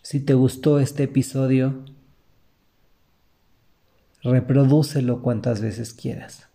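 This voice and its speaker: A man's voice: mid-range voice, fairly even intonation, slow, creaky, dark tone. A man with a Mexican accent hosting a podcast, talking in an earnest, motivational way straight to the listener. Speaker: podcast host. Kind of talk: reflective podcast monologue.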